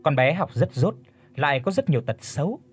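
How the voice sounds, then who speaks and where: A man narrating an audiobook story with a steady, even reading. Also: on the high side, a little fast, breathy edge.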